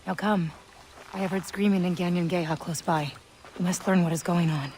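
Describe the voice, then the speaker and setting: A woman's voice: fairly low pitch, steady tone, brisk, darkish tone, a little hiss or hum, natural voice. An actress playing a resolute middle-aged Native American mother in a video game, solemn and formal, urgent and weighed down by guilt. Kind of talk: dramatic video game acting.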